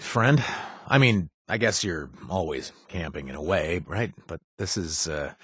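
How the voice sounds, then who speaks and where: A wry shady wasteland drifter. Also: male voice, lowish voice, a bit bright, slightly rough, no echo, clean studio sound, full character voice. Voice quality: hesitant, full of "uh" and trailing asides. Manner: sly, sarcastic, offhand delivery. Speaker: game companion character. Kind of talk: video game voice lines. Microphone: close studio mic.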